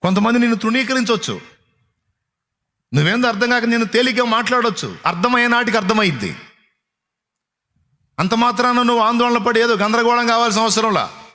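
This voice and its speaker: Pastor, male, high-pitched, preaching with emphatic repetition and rhetorical questions. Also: expressive, brisk, pauses often, bright, forceful tone. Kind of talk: sermon to a congregation.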